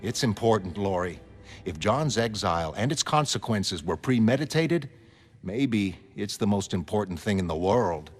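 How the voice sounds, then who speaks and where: Earnest bookish ex-hero, middle-aged, urgent, music behind. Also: male voice, lowish voice, expressive, moderate pace, husky.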